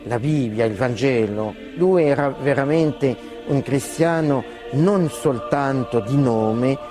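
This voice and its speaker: A male professor comments on history at a slow pace. His voice is medium-pitched and mellow, over faint music. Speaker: professor interviewee.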